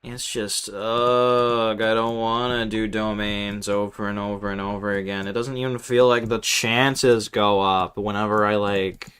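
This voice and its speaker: A man's voice: on the low side, fairly even intonation, a little slow, hardly any pauses, a bit bright, clear, resonant tone. A man streaming a video game, chatting casually with viewers in a sweary, rambling way and often repeating himself. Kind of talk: casual live stream chat and gameplay commentary.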